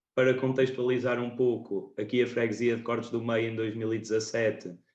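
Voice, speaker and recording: A man speaks at a moderate pace with a medium pitch and a flat, monotone intonation. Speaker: forestry technician. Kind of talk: presentation.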